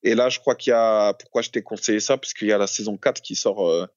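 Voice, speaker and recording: Laid-back low-voiced man, muffled. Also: dry recording. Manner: halting, many fillers and restarts, slangy. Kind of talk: casual chat.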